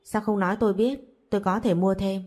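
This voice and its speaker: A woman's voice: medium pitch, fairly even intonation, fairly quick, a little mellow, lightly acted. A woman voicing a stern, blunt young father who talks in a curt, lecturing way.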